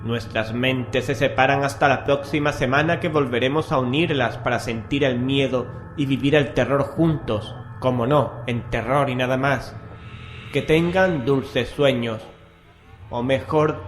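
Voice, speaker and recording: A man's voice: medium pitch, measured pace, slight background noise. A man with an accent from Spain, presenting and narrating a horror radio show in a theatrical, ominous way. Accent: Spanish (Spain).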